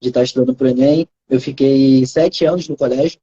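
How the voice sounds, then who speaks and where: Soft, mellow young Carioca man. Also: medium pitch, steady tone, brisk, slightly rough, lo-fi sound. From Rio de Janeiro, Brazil. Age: 20s. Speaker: student approved in medicine. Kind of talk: casual interview answers. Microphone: video call.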